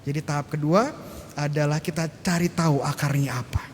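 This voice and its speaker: A man's voice: steady tone, a little fast. A man preaching a homily as a Catholic priest, chatty, asking himself questions and acting out small exchanges with parishioners. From Indonesia. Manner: conversational, asks and answers his own questions; acts out short exchanges with parishioners. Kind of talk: sermon. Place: church. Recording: church reverb, faint rumble.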